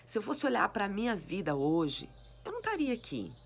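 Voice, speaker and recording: A woman preaching a sermon with a hoarse, cracked voice, exhorting her listeners with repeated rhetorical questions. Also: medium pitch, huge pitch swings, a little fast, slight background noise. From Brazil. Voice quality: raspy, cracked voice.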